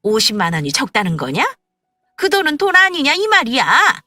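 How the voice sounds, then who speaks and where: A woman voicing an overbearing older mother-in-law with a sharp, piercing voice and a scolding manner. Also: fairly high pitch, big pitch swings, moderate pace, no echo, clean studio sound. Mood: demanding. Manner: scolding, demanding.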